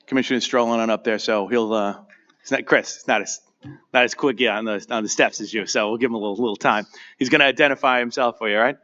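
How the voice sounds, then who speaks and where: A man chairing a town board meeting as supervisor, talking briskly, informally and in a friendly way, in a town hall meeting room. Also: mid-range voice, fairly even intonation, pushed and bright. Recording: dull lo-fi livestream audio.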